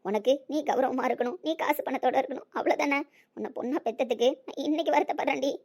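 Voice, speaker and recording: A woman's voice: sits high, quick pace. A woman playing a desperate middle-aged mother who pleads with and scolds her daughter in an emotional family drama. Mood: anguished. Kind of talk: Tamil web-series acting.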